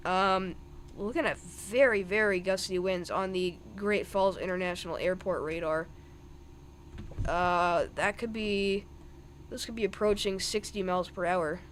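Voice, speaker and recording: A man's voice: high voice, fairly even intonation, unhurried, fairly bright tone, a little hiss or hum. A young man giving live weather commentary on a stream, thinking aloud over the radar with plenty of ums and restarts.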